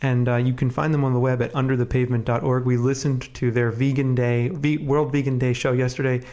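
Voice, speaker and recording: A man co-hosting a podcast in a relaxed, chatty way, sounding congested and sniffly from a cold and leaning on fillers. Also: mid-range voice, fairly quick. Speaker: podcast co-host. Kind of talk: casual podcast chat.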